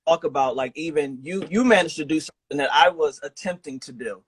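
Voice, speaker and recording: A man's voice: a little high, fairly quick, a little hiss or hum. A man hosting a casual remote interview, speaking in a slangy, encouraging and affirming way over an online call. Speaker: podcast host and interviewer. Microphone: remote video call.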